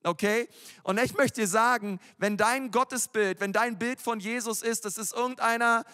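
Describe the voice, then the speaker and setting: A man's voice: very high voice, steady tone, normal speed, sharp tone, smooth, big-room sound. A male pastor preaching a sermon in a casual, youthful way, with frequent fillers and slang. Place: church hall.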